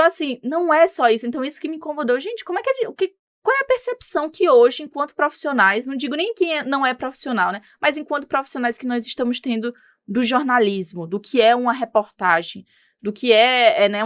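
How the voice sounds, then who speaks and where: Animated woman reporter with regional accent. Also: high voice, no echo, studio quality. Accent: Brazilian Portuguese, regional. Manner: animated, indignant, emphatic. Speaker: reporter, podcast guest. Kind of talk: casual interview talk.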